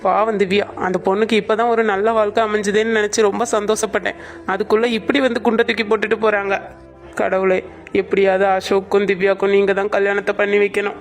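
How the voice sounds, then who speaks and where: A woman voicing an outspoken but respectful young woman who talks in a rapid, insistent way. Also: medium pitch, little pitch movement, close to an everyday voice. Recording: soft music underneath.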